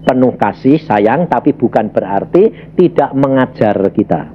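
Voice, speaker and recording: A man preaching a sermon and telling a personal testimony. He addresses the congregation directly and tells his story in an animated way. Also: unhurried. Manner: animated storytelling, big pitch swings, addresses congregation as "saudara". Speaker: evangelist preacher. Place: church worship hall. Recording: slightly dull lo-fi audio, faint background hiss.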